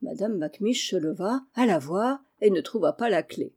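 A woman narrating a classic children's novel aloud in an even, measured way. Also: mid-range voice, breathy edge. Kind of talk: audiobook reading.

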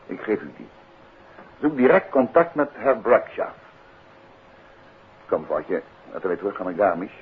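An actor playing an unruffled, evasive gentleman detective and teasing husband, dryly ironic, in a 1950s Dutch radio drama. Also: on the low side, very animated, moderate pace, long pauses. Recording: muffled, noisy 1950s radio recording.

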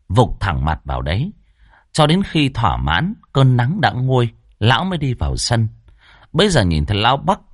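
Brief: male storyteller, lowish voice swinging wildly in pitch, bone-dry close recording. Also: no echo. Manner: expressive, rhythmic storytelling. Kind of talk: ghost story narration.

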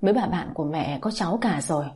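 A woman reading the lines of a torn, gentle young husband in a story, softly and wearily. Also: fairly low pitch, expressive, quick pace, breathy edge. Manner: soft, weary.

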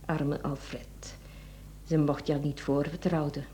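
An actress with a Flemish accent playing a cold, domineering, calculating wife in a radio play, commanding and clipped. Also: female voice, sits low, little pitch movement, takes it slowly, warm tone, a little hiss or hum. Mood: cold, scheming. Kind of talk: Dutch-language radio play acting.

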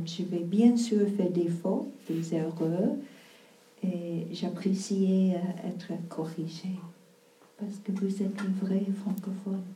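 A woman teaching at a mindfulness retreat as a Buddhist nun, speaking French as a second language. She talks slowly and hesitantly, pausing often and searching for words. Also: medium pitch, mellow. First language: not French. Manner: slow, hesitant, many pauses and searches for words. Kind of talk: dharma talk at a retreat. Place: retreat hall. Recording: roomy, distant mic.

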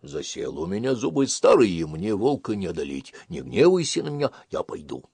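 A man's voice: big pitch swings, moderate pace, vocal fry, slightly rough, no echo, exaggerated voice. A man doing an old kindly dog. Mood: apologetic. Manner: loud barking calls, then low and weary. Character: old male dog, kindly but cowardly.

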